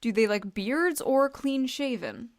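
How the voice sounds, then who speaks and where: A woman's voice: fairly high pitch, animated, a little slow. A woman delivering scripted video commentary in an informal, wry manner.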